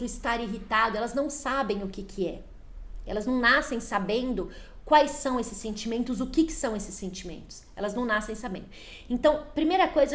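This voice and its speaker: A woman's voice: fairly high pitch, fairly bright tone, roomy sound. A woman in her forties, a parenting coach, talking casually in a live video to her viewers and acting out little dialogues between parent and child. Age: 40s. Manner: coaching, acts out little dialogues in quick changing voices.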